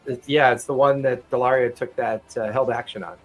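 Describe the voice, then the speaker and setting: A man's voice: mid-range voice, fairly even intonation, fairly quick, soft background music, low-quality recording. A man narrating a tabletop roleplaying game as game master in a casual, improvised way.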